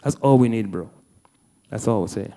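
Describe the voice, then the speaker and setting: Emphatic man with a mellow voice. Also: fairly low pitch, normal speed, slight background noise. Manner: emphatic, casual, addressing a peer as bro. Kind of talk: casual panel remark.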